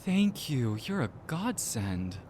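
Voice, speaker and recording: A woman's voice: extremely low pitch, very animated, slow, warm tone, slight background noise, full character voice. A woman playing a dry, skeptical young traveler in an audio drama, with natural delivery. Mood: grateful. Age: young adult.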